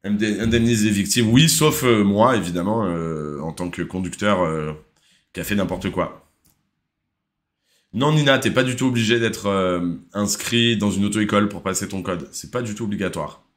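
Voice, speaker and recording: Chatty young French man, low voice. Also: moderate pace. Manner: relaxed, chatty, full of hesitations. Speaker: driving school live host. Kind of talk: casual live quiz revision.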